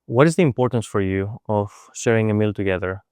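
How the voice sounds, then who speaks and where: A man from Greece interviewing a home cook, speaking in a slow, halting, affirming way. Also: on the low side, a little mellow, clear, resonant tone, no echo, studio quality. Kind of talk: casual interview.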